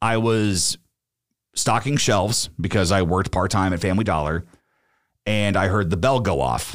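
A man speaks at a fairly slow pace, with long, frequent pauses. His fairly low pitch shows ordinary variation, and his loudness stays very even. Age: 30s. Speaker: podcast host. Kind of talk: casual chat. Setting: studio.

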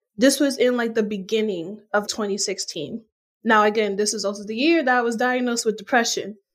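Speaking at a fairly quick pace with an American accent, a woman has an unremarkable speaking voice, fairly high in pitch with ordinary pitch variation. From US Northeast, New York City (the Bronx). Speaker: mental health advocate. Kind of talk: interview testimony.

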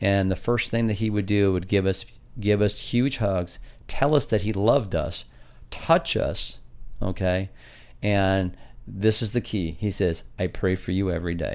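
A man with a plain, everyday voice speaks at a moderate pace. His pitch is fairly low, with ordinary pitch variation. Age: 50s. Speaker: football coach and father. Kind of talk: casual chat.

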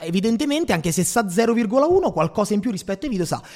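A man speaks at a fairly quick pace. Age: 20s. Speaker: TikTok creator and economics student. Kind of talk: casual chat.

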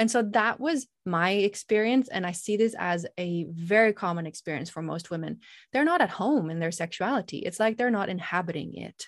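Speaking in a Swedish accent with hardly any pauses, a woman uses lively intonation at medium pitch. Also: moderate pace, quiet background. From Sweden. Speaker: sex and birth coach. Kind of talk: interview.

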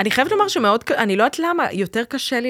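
On a very clean recording with a silent background, a woman talks fairly quickly in an animated tone with lively intonation. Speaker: podcast host and wine expert, guest. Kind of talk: casual interview chat.

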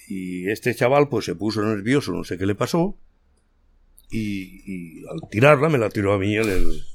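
A man speaks at a fairly slow pace with a fairly low pitch and lively intonation. The recording is very clean, with a silent background. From Spain. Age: 60s. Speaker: host's father. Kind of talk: casual chat. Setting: studio.

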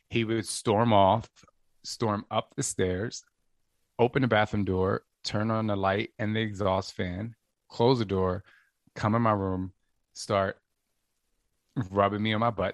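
A man with an American accent and fairly low pitch speaks at a fairly slow pace with long, frequent pauses against a quiet background. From New Jersey. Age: 40s. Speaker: podcaster. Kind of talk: casual interview. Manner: animated.

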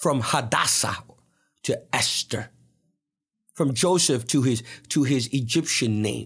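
A man speaks at a very slow pace with a medium pitch, ordinary pitch variation and long, frequent pauses. The recording is very clean, with a silent background. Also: very even loudness. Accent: American. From New Jersey, US. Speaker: pastor. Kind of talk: interview.

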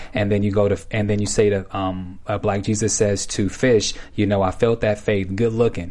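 A man with a fairly low voice speaks at a moderate pace in a flat monotone, with hardly any pauses. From San Francisco Bay Area. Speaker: podcast host. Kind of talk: casual chat.

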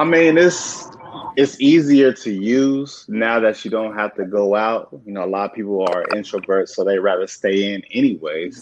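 Noticeable background noise accompanies a man with an American accent speaking at a moderate pace, his medium pitch carrying lively intonation. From San Diego, California. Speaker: aspiring model. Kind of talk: casual chat.

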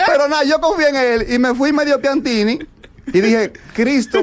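At a fairly slow pace, a man speaks at an extremely high pitch. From Dominican Republic, Santiago (Cibao). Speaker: comedian. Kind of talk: comedic monologue. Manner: animated.

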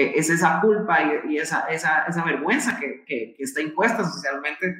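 A man with a normal speaking voice, fairly high pitch, lively intonation and a moderate pace. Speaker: LGBT rights activist and journalist. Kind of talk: panel discussion.

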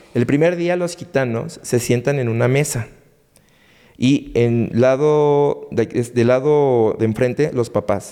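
Very slowly and at a very even loudness, a man speaks in a dark, mellow tone at a medium pitch with ordinary pitch variation. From Veracruz port, Mexico. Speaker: wedding planner. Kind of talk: casual storytelling interview.

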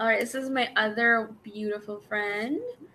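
A woman speaks in a normal speaking voice at a fairly high pitch. Her pace is fairly slow and her intonation fairly even. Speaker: cosplayer. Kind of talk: casual chat. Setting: live stream.

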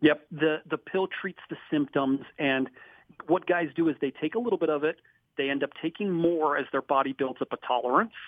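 With an unremarkable speaking voice, a man talks at a moderate pace in a fairly high pitch with ordinary pitch variation. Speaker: medical clinic representative. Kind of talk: sales pitch. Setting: studio.

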